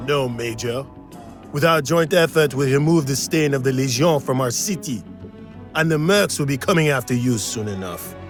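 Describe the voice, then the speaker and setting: An actor voicing a solemn, resolute revolutionary leader in a video game, speaking in a formal, earnest, measured way. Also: male voice, medium pitch, lively intonation, soft background music, close to an everyday voice. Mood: defiant. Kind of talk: scripted game dialogue.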